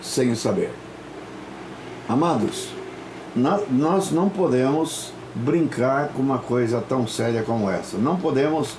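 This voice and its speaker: A man's fairly high-pitched, lively voice, with audible room echo and noticeable background noise. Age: 70s. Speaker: pastor. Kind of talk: sermon. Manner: halting.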